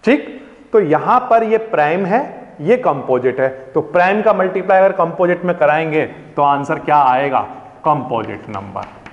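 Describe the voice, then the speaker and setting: A man's voice: fairly high pitch, expressive, moderate pace. A man teaching a classroom maths lesson in Hindi mixed with English words, asking his pupils questions and then answering them himself. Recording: dull echoey classroom recording.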